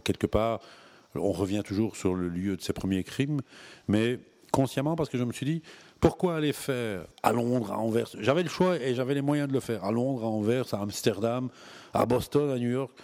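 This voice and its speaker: A man talks about his gallery in a mellow, darker voice. He speaks with passion and emphasis and stumbles over repeated words as he hunts for the next thought. The feel is a relaxed, casual interview. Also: medium pitch, moderate pace. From Belgium. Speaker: gallery owner. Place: art gallery.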